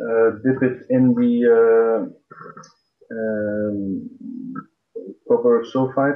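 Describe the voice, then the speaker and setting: With a non-native accent, a man speaks at a very slow pace in a monotone, flat intonation, leaving long, frequent pauses. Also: medium pitch for a man. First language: not English. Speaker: hobbyist experimenter. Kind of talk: technical explanation. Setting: Skype call. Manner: halting.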